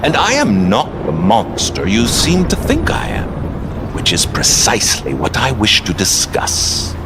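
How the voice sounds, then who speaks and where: A man's voice: fairly low pitch, unhurried. Magneto, voiced by a man, silken and courtly. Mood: smooth. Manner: formal, silken, flattering. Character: suave older male master of magnetism, courtly and scheming. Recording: noisy recording.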